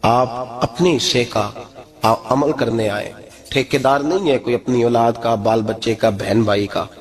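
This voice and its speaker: A middle-aged man delivers a sermon to his listeners. His voice keeps climbing to high, emphatic peaks. He sits at a middle pitch for a man. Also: measured pace. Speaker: preacher.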